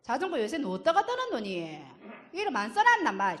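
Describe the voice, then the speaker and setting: A woman's voice: sits high, huge pitch swings, a bit bright, heavily acted. A woman voicing a nagging father who scolds his young son nonstop in Gyeongsang dialect. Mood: scolding. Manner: rapid scolding, nonstop orders.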